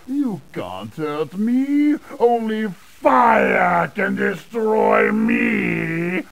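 Gloating turtle villain, theatrical, mocking, high gravelly voice, cartoon game. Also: male voice, wildly swooping pitch, drawn-out words, heavily acted. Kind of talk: cartoon video game character acting.

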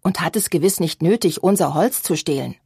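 A woman voicing a calm, sensible young woman in an audiobook, with a breathy voice. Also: on the low side, fairly quick, dry recording, clean studio sound.

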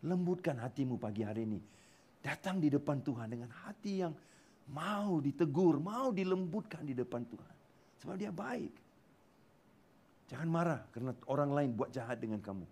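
A male pastor with a Malaysian accent delivers an animated sermon in a church, his voice sitting high for a man. He swings between loud, emphatic bursts and hushed, low asides, slipping English words into his Malay. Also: normal speed, slightly rough. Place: church hall.

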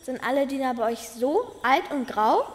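A woman's voice: sits high, big pitch swings, moderate pace. A female performer playing a spoiled eight-year-old princess in an audio drama, blunt, nosy and childlike. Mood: cheeky. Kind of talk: German audio drama acting. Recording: reverberant hall.

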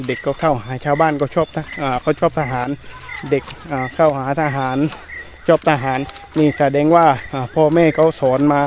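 Man vlogging haltingly over clear insect noise. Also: a little high, steady tone. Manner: hesitant, repetitive, frequent drawn-out filler pauses. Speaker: soldier vlogger addressing viewers. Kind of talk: casual explanatory vlog talk. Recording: noisy outdoor recording with insect ambience.

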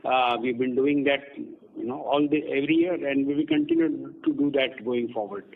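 A man's voice: medium pitch, sing-song, normal speed, vocal fry. A man, a company executive answering questions on an earnings call in a blunt, dismissive way. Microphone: conference phone call. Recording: narrow noisy phone line.

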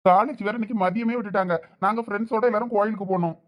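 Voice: mid-range voice, steady tone, racing, no room sound, clean studio sound, close to an everyday voice. A performer playing an irritated college-going son arguing with his mother in a village comedy skit, with a Thoothukudi Tamil accent. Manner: irritated, argumentative.

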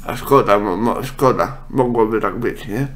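A man, a congested nose and a speech impediment, giving a casual, halting software walkthrough. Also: lowish voice. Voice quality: congested, blocked-nose sound; speech impediment, imperfect articulation. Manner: halting, with self-corrections. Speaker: software tutorial presenter.

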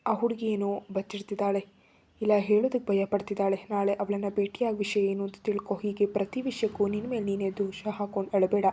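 A woman narrating a first-person dramatic story in a soft, often whispery voice, voicing the characters' lines herself. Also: mid-range voice, flat delivery, a little fast, a little hiss or hum.

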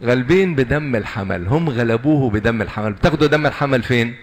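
A man with an Egyptian Arabic accent preaching a sermon to young people, quizzing the audience and drawing out lists slowly and emphatically. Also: mid-range voice, animated. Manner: asks the audience questions and answers them. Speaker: lay preacher.

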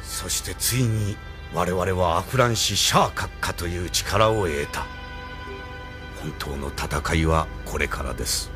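An actor playing a loyal rebel admiral who speaks politely and proudly in a radio drama. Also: male voice, low voice, measured pace, over music. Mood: earnest. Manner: polite, deferential yet proud. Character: loyal middle-aged male rebel admiral, earnest.

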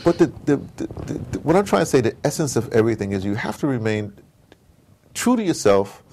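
A middle-aged man being interviewed, telling stories in a casual, animated way, repeating words and wandering off point. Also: medium pitch, a little fast. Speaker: interviewed audio drama producer. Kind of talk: casual, digressive interview talk. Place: at his home base in New York.

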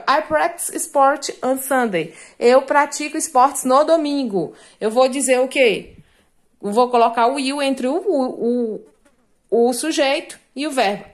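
Patient Brazilian woman teaching English grammar. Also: fairly high pitch. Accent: Brazilian Portuguese. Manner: patient, repetitive, asks and answers her own questions. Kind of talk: recorded classroom lesson explaining grammar.

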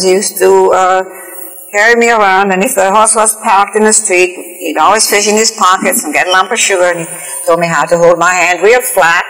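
Old swiss-born lady around 80 telling her life story, unhurried, reverby room. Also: medium pitch, a bit bright. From Switzerland. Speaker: guest, artist. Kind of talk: recounting life story in a studio interview. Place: TV studio, indoors. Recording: reverberant 1980s TV studio, music behind.

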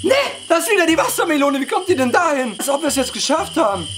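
A hoarse young man doing let's-play commentary, excitable, yelping and laughing as he talks to his viewers. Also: very high voice, quick pace, slight background noise. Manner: excitable, yelps and laughs, keeps addressing viewers. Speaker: gaming YouTuber. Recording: background music under voice. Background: game music.

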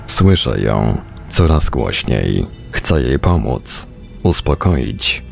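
A man's voice: rumbling low, vocal fry, a little mellow. A man reading a first-person book aloud as scripted narration. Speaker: audiobook reader.

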